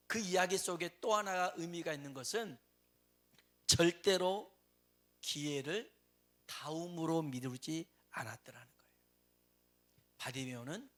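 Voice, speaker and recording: A man preaching a sermon as pastor, acting out the people in the story and swinging from hushed asides to loud cries. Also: high voice. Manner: dramatic, acts out quoted voices, swings between hushed and loud. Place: church.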